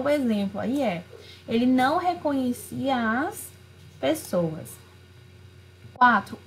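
Woman teacher going over worksheet answers. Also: high voice. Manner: reads questions aloud, then explains the answers; frequent fillers like "né" and "aí". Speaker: literature teacher. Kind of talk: recorded video lesson going over answers. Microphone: screen recording over a worksheet.

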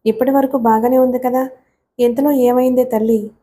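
A woman's voice: fairly high pitch, steady tone, moderate pace, dark tone, a little hiss or hum, close to an everyday voice. Fretful elderly mother, coaxing, read by a woman narrator. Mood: worried. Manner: coaxing, worried.

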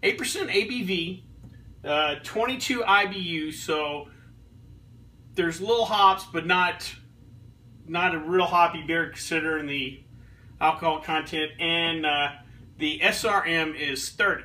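A man in his thirties talks through a beer tasting in his kitchen. His voice is fairly high and bright, and he rambles with frequent ums and restarts. The camera mic sits a few feet off, so he sounds a little distant. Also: unhurried. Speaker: beer reviewer and home brewer. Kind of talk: casual beer review vlog. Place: home kitchen, indoors. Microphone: fixed camera a few feet away.

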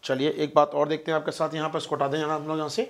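A fast-talking man teaching an online exam-prep class, his voice sitting fairly high. He keeps asking his listeners questions and answering them himself, and he calls them his friends. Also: monotone. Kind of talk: online lecture explaining a map.

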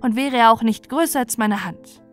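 A woman voicing a kind, affectionate aunt in a storybook, speaking to children in a gentle, earnest way. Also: on the high side, moderate pace, faint music behind, lightly acted. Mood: earnest, reflective. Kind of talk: storybook character voice.

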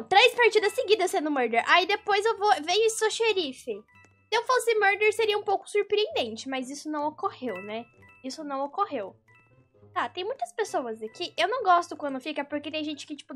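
A young Brazilian woman commentating her own gameplay, with excitable, exasperated outbursts. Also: high voice. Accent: Brazilian Portuguese. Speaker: gaming YouTuber.

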